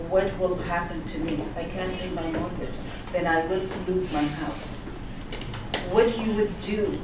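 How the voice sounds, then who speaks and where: A woman asks a question from the floor of a community meeting. Her pitch is fairly low, and she is recorded from a distance in a strongly echoing, noisy room. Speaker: audience member asking a question. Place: meeting room, seated around tables.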